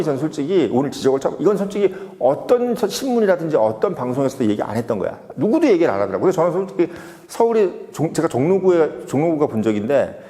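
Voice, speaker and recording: A man's voice: fairly high pitch, warm tone, big-room sound. A man giving an emphatic political opinion monologue, full of rhetorical questions. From Seoul. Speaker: political commentator.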